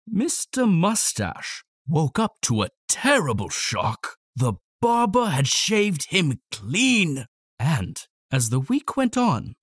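A young man narrating a children's storybook in a playful, expressive way, close on the mic. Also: high-pitched, no echo. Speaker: children's audiobook narrator, voice actor.

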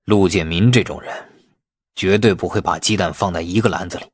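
A man's voice: low voice, normal speed, husky, no echo, studio quality, voice pushed down. A man voicing an irascible, calculating police chief in an audiobook, blustering and commanding. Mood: assured.

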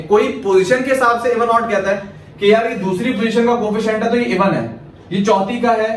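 A male maths teacher from Pakistan giving a lecture, explaining step by step and answering his own questions. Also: high-pitched. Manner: asks questions then answers them himself. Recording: very echoey room, mic far off, faint hiss.

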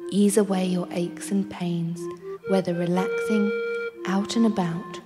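A woman's voice: fairly low pitch, fairly even intonation, a little slow, long reverb tail, loud music behind the voice. A woman reading scripted commercial and trailer narration as a voice-over artist.

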